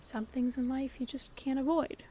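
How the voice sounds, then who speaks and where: Woman acting a high-voiced, gentle, comforting best friend. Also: steady tone, moderate pace, slight background noise, natural voice. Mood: reflective. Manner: earnest, reassuring, conversational. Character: gentle, hopeful female best friend comforting her secret crush. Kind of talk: scripted audio roleplay, intimate one-sided dialogue to the listener.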